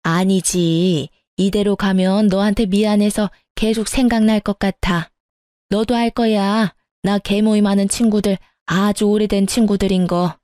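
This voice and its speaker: A domineering older mother-in-law, voiced by a woman storyteller, who orders people about and scoffs at refusals. Her voice is mellow and rounded, recorded dry and close with no room sound. It is radio-story telling, not a fully transformed character voice. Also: medium pitch, fairly even intonation, unhurried, no room sound, natural voice. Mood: coaxing, bossy. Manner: bossy, condescending. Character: pushy older mother-in-law, demanding and scornful.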